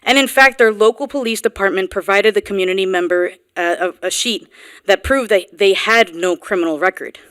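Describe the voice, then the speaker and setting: Young woman, from guatemala, smooth voice, dry sound, earnest, informal, halting restarts. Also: medium pitch, fairly bright tone, no echo. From Guatemala, raised on Long Island's East End. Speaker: local resident speaking at public comment. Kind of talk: public comment at a town board meeting. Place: town hall meeting room.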